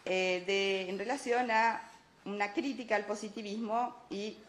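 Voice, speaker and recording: A woman's voice: medium pitch, fairly even intonation, a little slow. A woman speaking as an academic at a conference, addressing an audience emphatically, with repetition and rhetorical questions. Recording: echoey room, light background noise.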